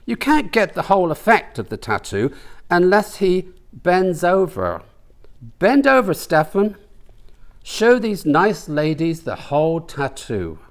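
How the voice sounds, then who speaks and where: A man's voice: high-pitched, very animated, unhurried, voice pushed up, full character voice. A man voicing a dry, unsympathetic, teasing and bossy gay man in a comic novel. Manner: dry, needling.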